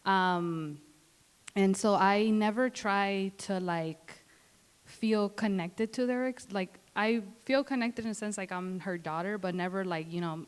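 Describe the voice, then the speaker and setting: A young woman with a smooth, resonant voice, a little low for a woman, speaking on a panel. Her words echo through a large hall. She talks reflectively and casually, leaning on filler words. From Los Angeles. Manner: reflective, heavy use of "like" and "you know". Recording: reverberant hall.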